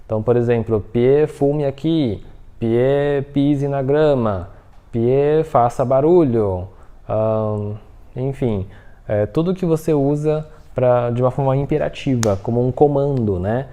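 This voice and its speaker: A man teaching an online Mandarin lesson in a warm, mellow voice. He explains patiently and keeps checking that the listener is following. He says his example phrases slowly and carefully. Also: mid-range voice.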